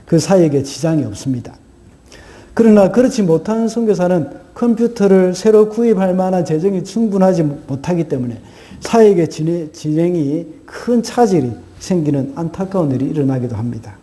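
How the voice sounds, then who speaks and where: A man's voice: sits high, expressive, moderate pace, mellow. A male pastor preaching a sermon, telling a story earnestly with hesitant fillers and small self-corrections.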